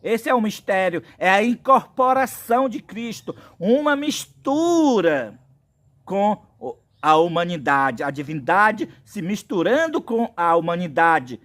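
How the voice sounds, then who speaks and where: Pregador brasileiro de voz aguda e lenta. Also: male voice, high voice, very animated, a bit bright. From Brazil. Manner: slow, insistent preaching with many biblical references. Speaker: preacher. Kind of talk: prophetic sermon monologue.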